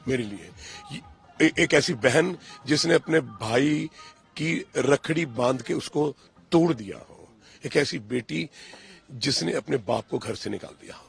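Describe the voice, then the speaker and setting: An older man, answering interview questions with emphatic, indignant passion, booming at times and dropping low at others. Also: animated, unhurried, vocal fry, husky. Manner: emphatic, indignant, swings between loud outbursts and low, pained tones. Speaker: interviewee, father of a cricketer.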